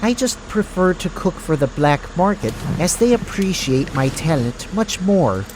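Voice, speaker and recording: Over clear background noise, a genteel, sinister male crime boss speaks slowly , acted by a woman. His delivery is mock-polite and gloating, swinging theatrically in pitch as in a radio play. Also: animated. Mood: smug, menacing. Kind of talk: audio drama acting.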